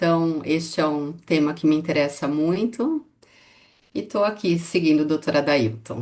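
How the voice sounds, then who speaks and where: A soft-spoken woman with a very deep, low pitch talks at a fairly slow pace with ordinary pitch variation. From Brazil, São Paulo. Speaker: finance executive and integrative therapist, participant. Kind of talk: self-introduction on a group video call.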